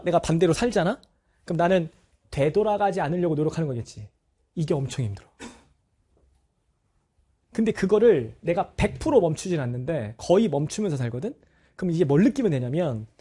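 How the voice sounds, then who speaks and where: A man with a husky, mellow voice that sits fairly high for a man and swoops up and down a lot. He is a middle-aged teacher speaking frankly to his students, turning a family story into a lesson and checking in with them as he goes. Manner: candid, personal storytelling, addresses students directly. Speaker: Korean language teacher. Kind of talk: talk to students.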